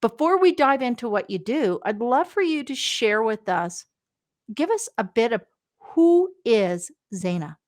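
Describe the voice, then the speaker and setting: Lively, upbeat woman podcast host. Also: a little high, measured pace. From Canada. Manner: bubbly, energetic, filler-heavy. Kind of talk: podcast interview.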